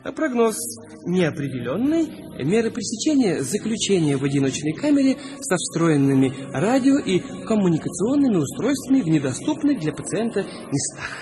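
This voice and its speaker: Officious, animated doctor. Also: male voice, sits high, moderate pace. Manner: polite, officious, hesitant when challenged. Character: male mental health official, formal, reproving doctor. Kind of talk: Russian radio drama acting. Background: music behind the voice.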